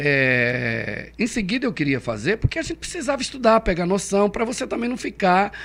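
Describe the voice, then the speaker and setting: The man's voice is high in pitch and moves through very wide pitch swings. He talks at a moderate pace. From southern Brazil, Paraná (Porecatu). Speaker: popular announcer and master of ceremonies. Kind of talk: casual interview chat. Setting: live-streamed podcast with chat.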